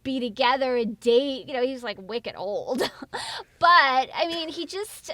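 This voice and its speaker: A woman's voice: high-pitched, unhurried, bright, forceful tone, no echo. A woman playing a self-absorbed, panicky young female rideshare driver who rambles with lots of fillers, in an audio drama. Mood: chatty, self-important. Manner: pleading, rambling, many fillers and likes.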